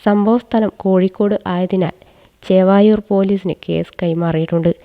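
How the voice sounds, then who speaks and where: A woman's voice: mid-range voice, fairly even intonation, normal speed. A woman reads scripted news narration as a reporter. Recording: thin phone-like narrow-band sound.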